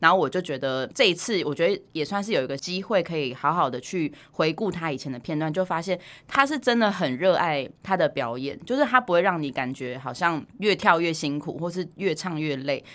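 With an ordinary speaking voice, a woman speaks fairly quickly with lively intonation and hardly any pauses, her pitch fairly low, on a very clean recording with a silent background. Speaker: podcaster, guest co-host. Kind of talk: casual chat.

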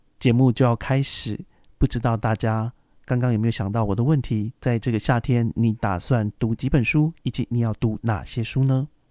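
In a Taiwanese accent, a man with a medium pitch speaks at a moderate pace in a relaxed tone and fairly even intonation, on a very clean recording with a silent background and a dry, close sound with no echo. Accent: Taiwanese Mandarin. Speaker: podcast host, book reviewer. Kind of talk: solo book review podcast. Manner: relaxed, with frequent fillers.

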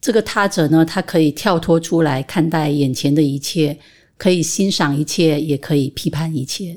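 The recording is very clean, with a silent background. A woman speaks with a very deep, low pitch. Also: ordinary pitch variation, moderate pace. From Malaysia. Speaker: researcher in classical Chinese studies. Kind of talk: interview.

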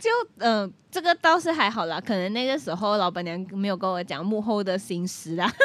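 Woman's medium-pitched voice, fairly quick, with lively intonation. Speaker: former overseas student. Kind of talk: casual chat.

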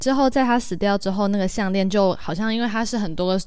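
A woman talks at a fairly quick pace. Her pitch sits at a medium level. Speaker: podcast co-host. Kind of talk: casual chat. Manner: fast.

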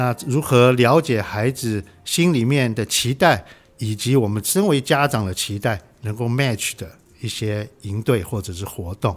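A man speaks at a fairly slow pace. His medium pitch carries lively intonation. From Taiwan, Taipei. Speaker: substitute radio host. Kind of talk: radio talk show.

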